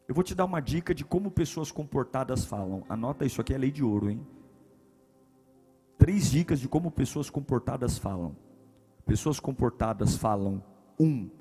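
Brazilian pastor guy, husky voice, jokey sermon, goes loud then real quiet. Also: on the high side. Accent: Brazilian Portuguese. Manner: emphatic, swings between loud punches and hushed lines. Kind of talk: humorous sermon.

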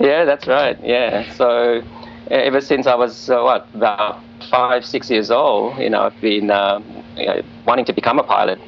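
Man, gravelly flat voice, earnest and hesitant, airline pilot guest, dull remote audio with faint hiss. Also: mid-range voice, normal speed. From Australia. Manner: earnest, hesitant with frequent fillers. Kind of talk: conversational interview answers. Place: hotel room.

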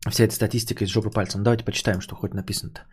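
A man's voice: on the low side, level tone, very fast, breathy edge. A man hosting a casual solo podcast, rambling and joking, who mangles words on purpose for fun. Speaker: podcast host.

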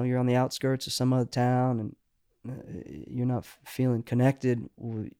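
A man's voice: mid-range voice, mellow, no echo, studio quality. A middle-aged man, a songwriter guest, talking casually and rambling with many restarts. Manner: rambling, restarts often, says "you know" a lot. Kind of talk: casual podcast conversation.

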